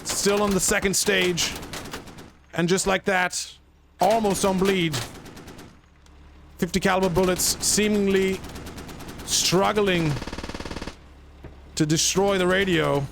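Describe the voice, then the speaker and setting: A man doing an excited, put-on British accent as a theatrical play-by-play caster for a tactical shooter match. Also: sits high, takes it slowly, gravelly, long pauses, noisy background, exaggerated voice. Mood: hyped. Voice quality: hammy, theatrical hype delivery. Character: excitable male British-style game caster. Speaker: gameplay commentator.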